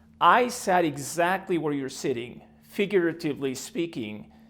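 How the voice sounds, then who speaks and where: A man with a Salvadoran accent, fairly high pitch, ordinary pitch variation and a moderate pace. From El Salvador. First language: Spanish. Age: 50s. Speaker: state supreme court justice, commencement speaker. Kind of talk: commencement speech. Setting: recorded video for a virtual ceremony.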